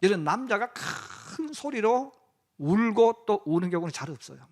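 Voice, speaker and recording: A man's voice: sits high, big pitch swings, normal speed. A middle-aged man preaching a sermon as pastor, acting out quoted lines in dramatic voices.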